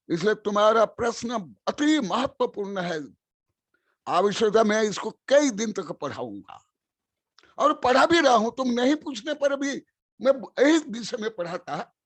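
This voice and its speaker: An older man, a Jain monk and teacher, giving a sermon slowly and emphatically, repeating his points and reciting verses. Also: sits high, dry recording.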